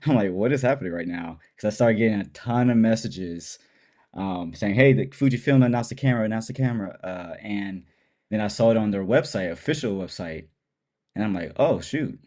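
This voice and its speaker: A man with a low, mellow voice sounds stuffed up and nasal from a cold. He talks through camera gear on a podcast in a loose, rambling way, trailing off and restarting as he goes. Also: a little fast. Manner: relaxed, rambling with restarts and laughs. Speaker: guest photographer and cinematographer. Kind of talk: casual podcast chat.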